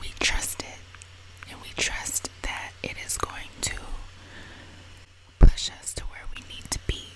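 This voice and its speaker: Whispered words come at a fairly slow pace, with noticeable background noise behind them. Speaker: ASMR creator. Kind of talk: ASMR whispered talk to camera.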